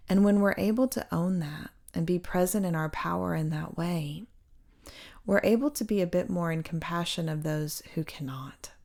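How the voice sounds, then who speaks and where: A woman speaking as a meditation guide, giving gentle, hushed spiritual instruction with pauses. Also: on the low side, creaky. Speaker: meditation guide and sound healer.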